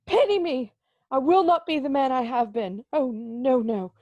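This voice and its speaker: Woman playing high-voiced, effusive old Scrooge. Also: unhurried, a little mellow, no echo, highs cut off. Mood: awed relief. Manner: exclamatory, effusive. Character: Scrooge, old male miser, giddily reformed and penitent. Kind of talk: amateur dramatic reading of a stage play.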